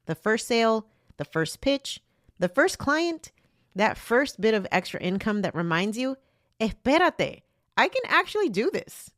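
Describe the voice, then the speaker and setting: A woman's voice: on the high side, big pitch swings, slow, fairly bright tone, no echo. Dry-sounding bilingual woman reading an ad. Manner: switches between English and Spanish. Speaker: podcast host reading an ad. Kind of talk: scripted bilingual ad read.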